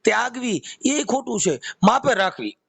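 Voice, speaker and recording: A man's voice: very high voice, big pitch swings, a little slow, vocal fry, fairly bright tone, husky. A man with a Kathiyawadi Gujarati accent giving an informal spiritual discourse on a phone call, preaching with quoted verses and repeated phrases. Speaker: devotional speaker with a YouTube channel.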